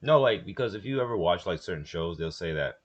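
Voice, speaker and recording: A man's voice: low voice, lively intonation, brisk, husky, highs cut off. A young man co-hosting a reaction video, rambling and hesitant in casual chat. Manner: rambling, hesitant, restarts often.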